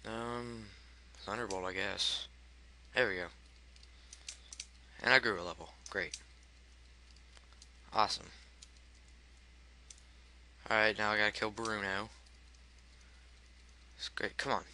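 A man's voice: fairly low pitch, steady tone, slow pace, long pauses, sharp tone, a little hiss or hum. A man commentating his own gameplay, frustrated and swearing at the game while muttering the menu choices he picks, his voice cracking. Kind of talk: let's play commentary.

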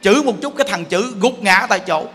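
High, bright-voiced Southern Vietnamese preacher. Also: male voice, expressive, quick pace. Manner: emphatic, playful, asks the audience rhetorical questions. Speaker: Buddhist teacher. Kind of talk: Buddhist sermon. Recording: long hall reverb.

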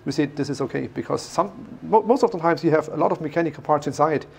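A man's voice: on the high side, fast, gravelly, a little hiss or hum. A man in his forties with a German accent, guiding visitors through a workshop and explaining the steps with many fillers and restarts. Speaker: factory guide. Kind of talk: guided factory tour explanation. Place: large workshop hall indoors.

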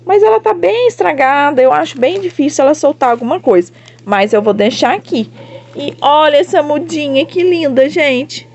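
A woman from Brazil with a southern Minas Gerais accent, showing her succulents to followers in an excited, gushing way and talking straight to viewers. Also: sits high, no room sound, highs cut off. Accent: southern Minas Gerais Portuguese. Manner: gushing, enthusiastic, addresses viewers often. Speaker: succulent grower and seller. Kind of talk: casual plant showcase to followers.

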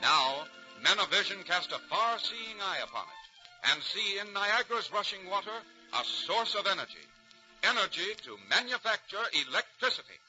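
A man's voice: high-pitched, very animated, moderate pace, pushed and bright, soft background music. A man with an American accent giving grand, emphatic, dramatic scripted narration in 1940s radio style. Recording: muffled 1940s radio recording.

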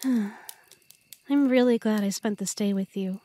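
A woman's voice: mid-range voice, measured pace, warm tone, natural voice. A woman playing an affectionate, earnest young girlfriend in an intimate, chatty roleplay audio drama. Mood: tender. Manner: tender, chatty, playful.

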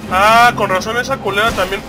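A man with a Mexican accent giving excited gameplay commentary, cursing constantly and shouting out at what happens in the game. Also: high-pitched, a little fast, over loud music. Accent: Mexican Spanish. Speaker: gaming video host.

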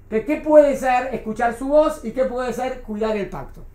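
Teaching Torah to a small group, a woman explains things patiently in a mellow, higher-leaning voice at a moderate pace. The classroom is echoey, and she regularly checks whether everyone is keeping up.

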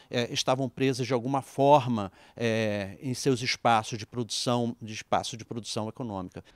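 A man's voice: medium pitch, smooth, no echo. Older male sociologist, lecturing with hesitations. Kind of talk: interview answer. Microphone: handheld interviewer mic.

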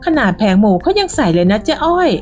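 A woman's voice: high voice, very animated, fast talker, darkish tone, soft background music, voice pushed up. A woman putting on a nagging old market woman. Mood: pushy. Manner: pushy, nagging, scolding.

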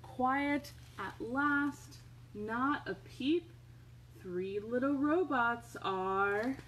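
A woman with a high voice hosts storytime for little children. She reads in an expressive sing-song and takes her time. It is a home recording with faint background noise. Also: very slow. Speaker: children's librarian, storytime host. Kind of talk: children's storytime read-aloud and chat. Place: indoors, home living room.

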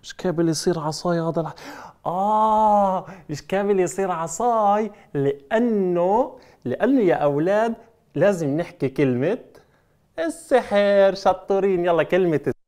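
A man's voice: sits high, expressive, moderate pace, darkish tone. A man, presenting magic tricks to children and leading them in call-and-response. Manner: coaxing, call-and-response with children, playful exclamations. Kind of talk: lively children's show presenting.

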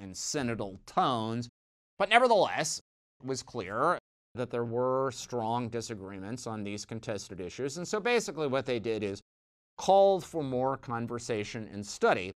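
A middle-aged man giving a weekly church news commentary from a small studio on a lapel mic, conversational and wry, with lively emphasis and dry asides. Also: mid-range voice. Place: small dark studio set, indoors.

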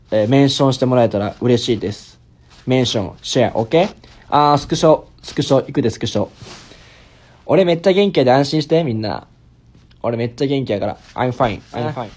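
With a medium-pitched, dark-toned voice, a Japanese stage actor in his twenties chats casually on his livestream in a Kansai accent. He reads out viewer comments and tosses in basic English phrases. He's in a small bedroom or hotel room, lying on a bed with his phone held close.

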